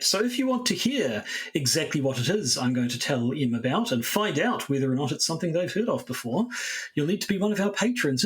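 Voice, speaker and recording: Podcast host: New Zealand man, fairly high-pitched, chatty delivery with dry humour. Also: husky. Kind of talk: casual chat.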